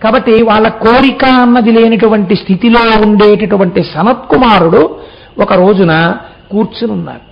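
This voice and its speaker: A man's voice: high-pitched, moderate pace, gravelly, highs cut off. A man giving a devotional sermon, explaining as he tells a story and asking rhetorical questions. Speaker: religious discourse speaker.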